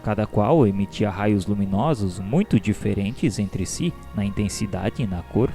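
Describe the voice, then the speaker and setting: Guy playing a earnest brazilian man telling his story in a radio drama, formal n measured, lowish mellow voice. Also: expressive. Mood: earnest, reverent. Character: André, earnest, curious male spirit narrator and pupil. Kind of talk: scripted radio drama narration. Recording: music behind the voice.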